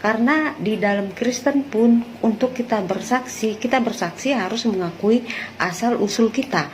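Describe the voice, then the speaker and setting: A woman's voice: fairly high pitch, normal speed, slight background noise. A woman from West Sumatra, speaking casually and insistently, repeating her points with rhetorical questions. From West Sumatra, Indonesia. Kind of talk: casual spoken rebuttal to viewers.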